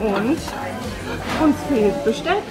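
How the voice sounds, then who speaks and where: High-voiced woman vlogging casually. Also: expressive, slow, over loud music, a loud crowd, rough recording. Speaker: family vlog host, mother. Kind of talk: casual chat to camera and child.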